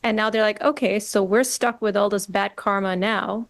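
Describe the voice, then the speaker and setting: A woman's voice: mid-range voice, steady tone, normal speed, no echo. A woman interviewing a guest and asking probing questions. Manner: probing, inquisitive.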